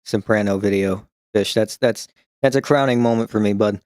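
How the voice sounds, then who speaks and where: A man streaming in a casual chat, telling rambling, profane stories with frequent restarts and chuckling along, who picks up a slight New York twang when he gets excited. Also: fairly low pitch, normal speed, no room sound, studio quality. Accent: slight New York-style twang when excited.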